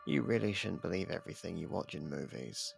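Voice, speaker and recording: A man playing an imprisoned serial killer in an ASMR audio drama, smug, taunting and flirtatious, with a husky, gravelly voice and a sarcastic drawl. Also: deep voice, expressive, brisk, faint music behind, full character voice. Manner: drawling, sarcastic, teasing delivery.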